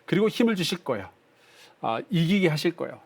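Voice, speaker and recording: A male pastor teaching a Bible class on broadcast, reading scripture aloud and explaining it in a lively, conversational way. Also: on the high side, a little fast, creaky, husky. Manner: reads scripture aloud, acts out drunk voices playfully.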